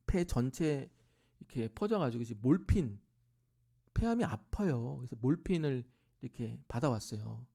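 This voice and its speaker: A middle-aged pastor with a mid-range voice and some vocal fry tells a personal family story during a sermon in a church sanctuary. He acts out his relatives' voices in lively bursts, then drops to a near-whisper at the tender moments.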